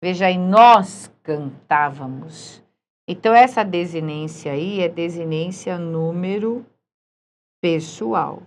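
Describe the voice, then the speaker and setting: A woman's voice: lowish voice, slow pace, slight background noise. A woman teaching a recorded grammar lesson, patient and often checking in with her students. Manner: patient, checks in with frequent "certo?".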